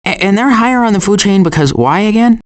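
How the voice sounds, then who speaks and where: Wisecracking, deadpan cartoon animal adventurer. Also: male voice, sits high, fast. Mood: dry, sardonic. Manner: dry sarcasm, deadpan asides. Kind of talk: animated video game voice acting.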